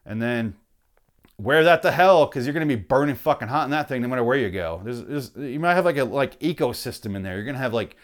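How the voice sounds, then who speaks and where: A man from Michigan rants about coats, swearing freely and loudly exasperated. His voice is wearing out and turning hoarse, and his pitch sits squarely mid-range for a man. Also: animated, fast talker. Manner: loud exasperated swearing, mock outrage. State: voice going hoarse. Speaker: vlogger ranting on camera. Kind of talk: profane comedic rant.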